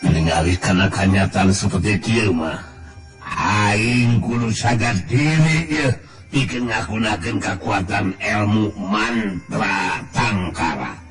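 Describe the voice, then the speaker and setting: A man's voice: on the low side, slow. A man voicing a coarse, arrogant martial-arts villain in a folktale, with a Sundanese accent, brooding and boasting. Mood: frustrated, brooding. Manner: groaning, muttered inner monologue and boastful threats. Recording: loud music under the voice.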